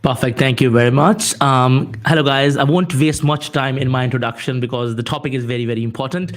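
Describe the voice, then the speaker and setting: A man's voice: medium pitch, a little fast. An enthusiastic, emphatic man with a Pakistani accent, talking conversationally as a guest on a show. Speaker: guest, careers consultant. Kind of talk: conversational self-introduction.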